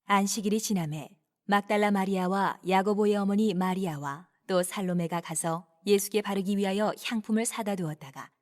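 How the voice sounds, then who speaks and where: A woman narrating scripture from a script in a measured, clearly enunciated reading style. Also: medium pitch, a little mellow.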